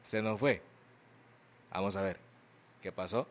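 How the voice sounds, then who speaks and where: A man's voice: fairly low pitch, measured pace, heavy background noise. A young Salvadoran man hosting an afternoon radio show, chatting, reading listener greetings and ads while fighting a cold and sore throat. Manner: chatty, self-joking, reads listener messages. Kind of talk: casual radio chat and read ads. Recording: radio broadcast with music behind.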